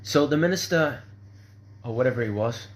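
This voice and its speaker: A man's voice: medium pitch, expressive, normal speed. A man, speaking in a rambling, hesitant monologue full of fillers and restarts. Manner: hesitant, repeats "kind of sort of", restarts often.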